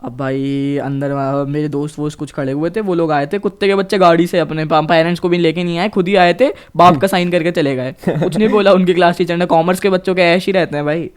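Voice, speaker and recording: Young podcast co-host from Bhopal in his late teens, slightly high voice, animated and foul-mouthed storyteller. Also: brisk, hardly any pauses, clean tone. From Bhopal, India. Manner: profane, animated, mixes English phrases into Hindi. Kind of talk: casual storytelling chat.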